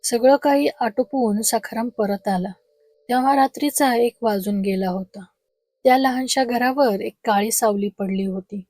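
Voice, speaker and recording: A female storyteller reading a horror story with slow, suspenseful narration. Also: fairly high pitch, darkish tone, no echo.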